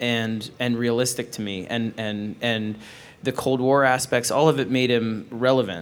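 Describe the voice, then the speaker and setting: A man with an American accent has a normal speaking voice at medium pitch. He talks at a moderate pace with fairly even intonation. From New York City. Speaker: comic book writer. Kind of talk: panel discussion, casual conversation. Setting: stage with audience.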